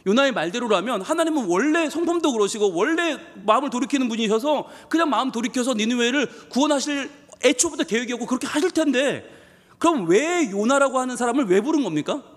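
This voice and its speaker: A man's voice: expressive, quick pace, big-room sound. A man, a pastor, preaching a Sunday sermon with emphatic delivery, acting out a prophet's complaints. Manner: emphatic preaching, voicing Jonah's complaints with rising pitch. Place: church sanctuary.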